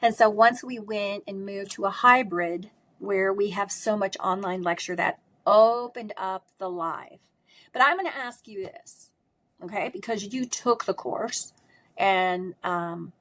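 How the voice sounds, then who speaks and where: A woman's voice: mid-range voice, fairly bright tone. A middle-aged woman speech pathologist with a strong voice. She answers interview questions in an emphatic, conversational way and often ends her points with "right?". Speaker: speech pathologist and course instructor.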